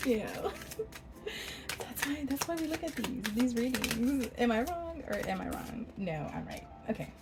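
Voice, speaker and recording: Bubbly, giggly woman doing a tarot reading. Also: fairly high pitch. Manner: bubbly and chatty, laughs often, many "like" fillers. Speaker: tarot card reader. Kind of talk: casual pick-a-card tarot reading.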